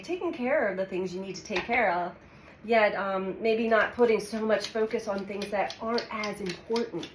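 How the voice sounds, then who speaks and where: A woman giving a weekly tarot reading in a calm, unhurried way, congested from a cold and pausing as she draws cards. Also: on the high side. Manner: calm, unhurried, speaks with pauses while drawing cards. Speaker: tarot reader. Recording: echoey room with audible background noise.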